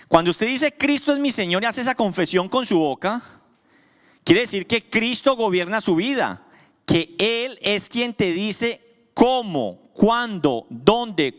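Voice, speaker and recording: Man preaching, somewhat high voice, rhetorical questions, church hall reverb. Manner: asks the congregation questions, answers himself emphatically. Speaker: pastor. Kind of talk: sermon.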